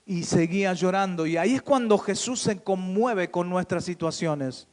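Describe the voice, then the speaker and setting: A man's voice: high voice, normal speed, a little mellow. A man preaching a sermon as pastor, asking the congregation rhetorical questions.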